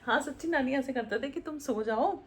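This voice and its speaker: Talking fairly quickly in a high voice, a vlogger and mother rambles casually as she cooks in her home kitchen, laughing often throughout the chat.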